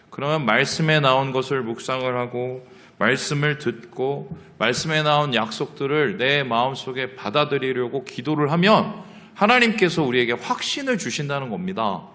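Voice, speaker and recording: A man preaching a sermon as pastor of his church, asking the congregation questions and acting out the lines of people in the story. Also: medium pitch. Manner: lively, asks the congregation questions and acts out quotes. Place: church sanctuary. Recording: hall reverb from the church. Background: congregation reading aloud together.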